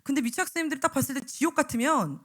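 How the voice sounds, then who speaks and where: A woman evangelist giving a lively sermon to church teachers, often acting out the voices of teachers and children. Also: high voice, rapid-fire. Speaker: evangelist preacher. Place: church sanctuary.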